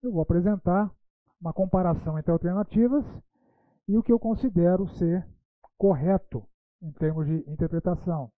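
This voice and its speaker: A man's voice: high-pitched, normal speed, no echo. A man teaching a Bible school lecture, posing rhetorical questions and tagging his sentences with "né". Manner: rhetorical questions, frequent "né" tags. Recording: tinny phone-like dry sound.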